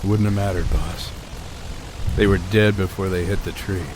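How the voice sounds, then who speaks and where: An actor playing a steady radio-station man who talks calmly and tersely and takes charge. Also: low voice, moderate pace, natural voice. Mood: tense. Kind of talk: radio drama acting. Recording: noisy radio-play track with effects.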